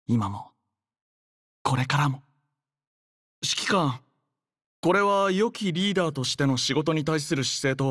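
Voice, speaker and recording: A male voice actor playing a composed, dutiful young android squad leader in an anime game, speaking politely and formally with measured, gentle care. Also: on the high side, no echo, clean studio sound. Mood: tender, reflective. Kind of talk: anime game character voice lines.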